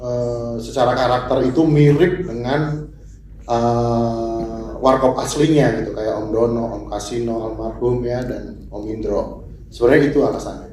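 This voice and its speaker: A man speaking casually to reporters at a press conference, chatty and relaxed in manner. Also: mid-range voice, normal speed. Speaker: film guest at a press conference. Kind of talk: answering press questions. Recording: echoey room.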